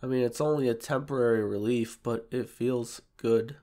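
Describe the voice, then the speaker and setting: A man voicing a shy, submissive, sick young boyfriend in an ASMR audio roleplay, congested and soft, with hesitant, pleading delivery. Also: mid-range voice, steady tone, moderate pace, close to an everyday voice. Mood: tired, obedient. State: sick, sore throat, stuffy nose.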